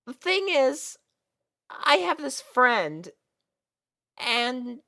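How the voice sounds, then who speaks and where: A woman voicing a shy, nervous young girl pony in a fan fiction audio drama, with hesitant, halting speech. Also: high voice, a bit bright, heavily acted. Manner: hesitant, halting, full of ums.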